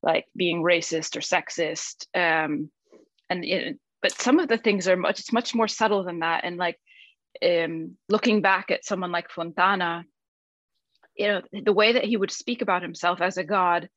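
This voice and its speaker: A woman speaking as a podcast guest, explaining her translation work in a thoughtful, measured conversational way. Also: fairly low pitch, fairly bright tone, no echo. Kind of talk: conversational discussion. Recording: dull, dry lo-fi sound.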